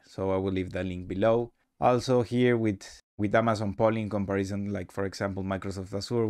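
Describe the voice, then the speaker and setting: A man narrating a casual software tutorial with halting, rambling phrasing. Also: fairly low pitch, no room sound, studio quality. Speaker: presenter of a software demo.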